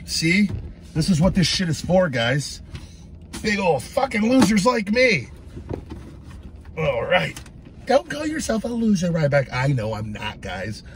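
A man's voice: on the high side, a little hiss or hum. A middle-aged man vlogging a food review from inside his parked truck, swearing a lot and making fun of himself in a rambling way. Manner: crude, self-mocking, rambling. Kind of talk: casual profane car vlog.

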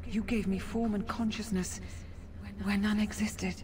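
An actress playing a serene, sorrowful female forest spirit in a fantasy video game, solemn and gentle. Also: mid-range voice, fairly even intonation, takes it slowly, a crowd in the background, lightly acted. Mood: sorrowful pleading.

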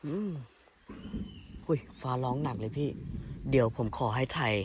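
A man's voice: medium pitch, moderate pace, background noise. A man talking casually to his viewers on a phone as he walks through a rainy forest, chatty and uneasy. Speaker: vlogger. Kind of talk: casual walking vlog to viewers. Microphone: handheld phone. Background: insects and rain ambience.

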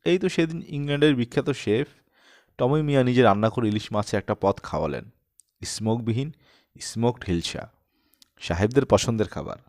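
A man narrates a literary audiobook. His voice sits at an average male pitch. The recording is dry, with very little room sound, and he reads from a script in a storytelling style. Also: animated, fairly quick, long pauses, a little mellow, no room sound. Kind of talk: scripted literary narration, reading a humorous personal essay.

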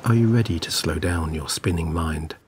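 A man narrating a scripted guided sleep meditation in a soothing, gentle, measured way. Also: low voice, a little hiss or hum. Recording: clear background ambience of waves. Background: relaxing ocean wave sounds.

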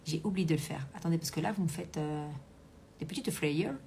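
A woman's voice: sits low, fairly quick, gravelly, dark tone, a little hiss or hum. A woman coach hosting a live stream, chatting casually, reading comments aloud and talking with many fillers. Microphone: Bluetooth hands-free earpiece.

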